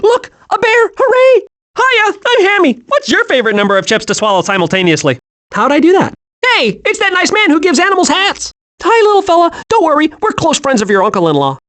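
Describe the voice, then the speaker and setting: A hyperactive little cartoon squirrel, pitched very high. The delivery swoops up and down with naive, childlike glee, made for an animated video game. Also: a little fast, heavily acted. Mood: excited, silly, then cheerful, curious. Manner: excitable, childlike, gleeful exclamations.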